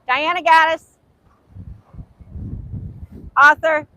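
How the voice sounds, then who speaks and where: A woman's voice: high-pitched, level tone, extremely slow, sharp tone, no echo, low-quality recording. A woman with a Hungarian accent, whose first language is Hungarian, giving an earnest faith-based talk outdoors at a beach. She repeats herself often and overpronounces her words with care. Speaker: author and host. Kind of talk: motivational faith talk to camera.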